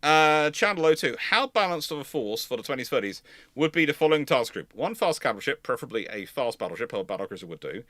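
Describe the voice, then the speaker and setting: Bright-voiced man, casual expert commentary. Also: medium pitch, big pitch swings, fast, dry recording. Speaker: host of a history livestream.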